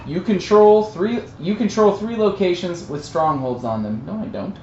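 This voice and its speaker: A man's voice: high-pitched, moderate pace, darkish tone. A man chatting casually and loosely, with some swearing, as a player on a live tabletop game stream. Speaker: co-host and player. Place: echoey room crowded with mic stands. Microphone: stand mic. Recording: echoey, dull room recording with faint noise.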